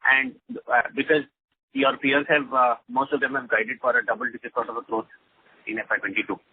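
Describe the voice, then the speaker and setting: Husky man on a tinny phone line. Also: mid-range voice, lively intonation, a little fast, dry recording. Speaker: financial analyst. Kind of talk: asking questions on an earnings call. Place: telephone conference call. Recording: tinny narrowband telephone line.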